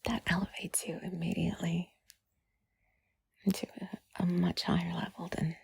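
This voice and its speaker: A woman giving intimate whispered comfort talk, soothing and gently reassuring, in a breathy, husky whisper with drawn-out pauses. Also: on the low side, level tone, no room sound. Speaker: audio creator speaking to the listener.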